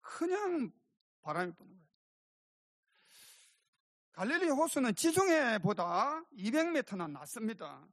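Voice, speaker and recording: Lively, emphatic Korean-language pastor preaching. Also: mid-range voice, no room sound, studio quality. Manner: emphatic preaching with calls for amen; addresses the congregation directly. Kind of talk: sermon.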